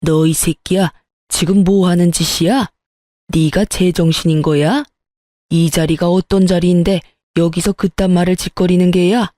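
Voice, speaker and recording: A woman voicing a furious middle-aged father who scolds his son with harsh insults, in a mellow, dry-sounding voice. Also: on the low side, steady tone, moderate pace, no echo, voice pushed down, close to an everyday voice.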